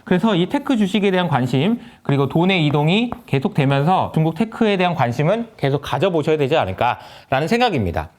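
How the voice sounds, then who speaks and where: A middle-aged man gives solo investment commentary with a lively, swooping delivery. His voice sits somewhat high for a man. He keeps the talk vivid by acting out little scenes. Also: fairly quick, hardly any pauses. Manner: lively, acts out dialogue between countries and companies. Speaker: investment lecturer.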